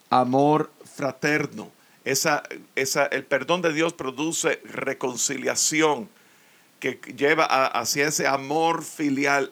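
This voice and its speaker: Slow earnest male preacher. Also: on the high side, a bit bright. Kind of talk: sermon on a psalm.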